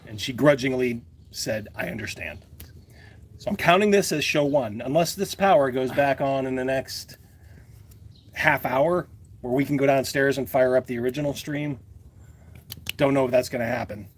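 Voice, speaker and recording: A man hosting a podcast in casual chat, animated and joking, swearing freely. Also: mid-range voice, normal speed. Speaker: podcast host.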